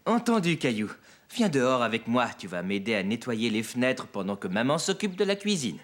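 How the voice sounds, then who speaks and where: A man playing a patient, kindly father in a French children's cartoon, encouraging and gently instructive. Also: medium pitch, sing-song, brisk, natural voice. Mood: friendly.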